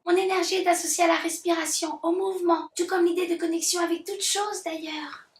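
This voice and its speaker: A woman voicing a gushing, syrupy female heart chakra spirit who talks in a soft, preachy, loving way. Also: very high voice, fairly even intonation, a little fast, distant mic, voice pushed up. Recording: roomy echo.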